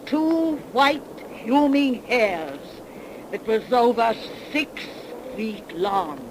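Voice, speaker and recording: A woman voicing an old cackling witch who tells tales in a slow folksy dialect drawl, in 1930s radio drama style. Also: a little high, animated, heavily acted. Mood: eerie folksy. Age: older. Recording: noisy 1930s radio recording.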